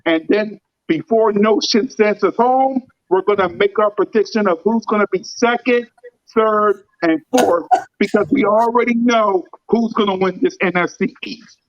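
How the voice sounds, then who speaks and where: Man, sports podcast host, hype fan energy, hoarse scratchy voice, high and slow. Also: no room sound, lo-fi sound. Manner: excited, hype fan talk. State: scratchy voice from screaming. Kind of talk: casual sports podcast chat.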